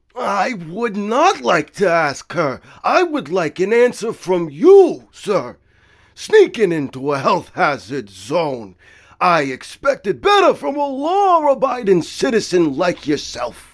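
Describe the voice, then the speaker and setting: In a very clean recording with a silent background, a man puts on a character voice, high in pitch and at a fairly slow pace. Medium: audio drama. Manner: pompous, officious.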